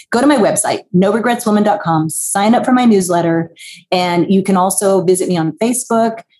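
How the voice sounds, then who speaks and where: A woman's medium-pitched, somewhat breathy voice, dark and mellow in tone, with very even loudness and ordinary pitch variation. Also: fairly quick pace. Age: 60s. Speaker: author. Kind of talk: casual chat.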